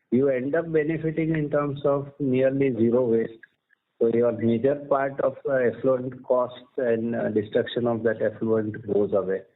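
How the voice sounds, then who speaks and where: A man with an Indian accent answering investor questions as a company executive on an earnings call, explaining things step by step. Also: mid-range voice. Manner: explanatory, uses tags like "right?" and "so to say". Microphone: conference call line. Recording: muffled narrow-band conference phone line.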